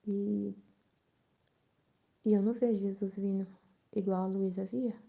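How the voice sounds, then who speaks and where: A woman sharing an earnest, emotional spiritual testimony, sometimes dropping to a soft near-whisper. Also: medium pitch, level tone, unhurried, creaky. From Brazil. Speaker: Catholic channel presenter.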